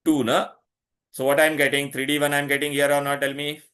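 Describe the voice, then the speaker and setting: A man's voice: on the high side, level tone, fast, fairly bright tone. A man with a South Asian accent teaching a one-on-one lesson, switching between English and Hindi and repeatedly quizzing the student with checking questions. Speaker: chemistry tutor.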